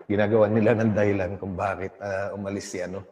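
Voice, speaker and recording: A man's voice: fairly low pitch, little pitch movement, fast talker, dark tone. A man hosting a casual gossip vlog, reading posts aloud and laughing often.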